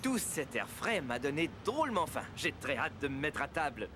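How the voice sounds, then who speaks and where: An actor playing a patient, kindly father in a children's cartoon, with a gentle, explanatory way of talking. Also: mid-range voice, big pitch swings, normal speed, music in the background, close to an everyday voice. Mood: cheerful. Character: patient, kindly young father of a small boy.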